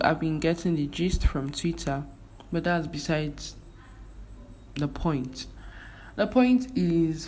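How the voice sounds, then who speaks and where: Slow-talking young Nigerian woman. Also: low voice, a little mellow, rough recording. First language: Igbo. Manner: chatty, hesitant, frequent fillers and restarts. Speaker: vlogger. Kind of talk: casual opinion vlog. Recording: faint background noise.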